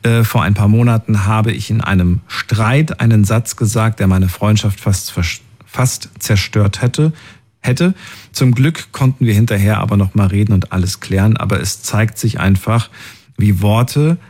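A man's voice: fairly low pitch, unhurried, a little mellow. A man hosting a late-night call-in radio show from the studio, reading out listener poll results and messages. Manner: reads out listener polls and messages.

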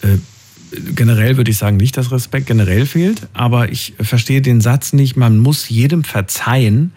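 A radio call-in host with a mid-range, dark-toned voice questions a caller closely at normal speed. He probes and pushes back on each of the caller's answers.

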